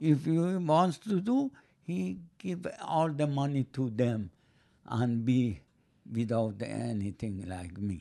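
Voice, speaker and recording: Speaking at a very slow pace with long, frequent pauses, a man with a strong Persian accent has a medium pitch, a dark, mellow tone and very wide pitch swings. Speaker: father of host. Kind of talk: casual chat. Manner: halting.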